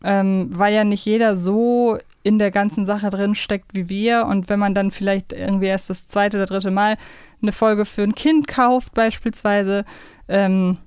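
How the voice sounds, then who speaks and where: A woman's voice: mid-range voice, fairly even intonation, measured pace, a little mellow, clear, resonant tone, no room sound, studio quality. A woman talking casually and analytically as a podcast co-host, explaining in loose, chained sentences. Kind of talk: casual conversational fan podcast talk.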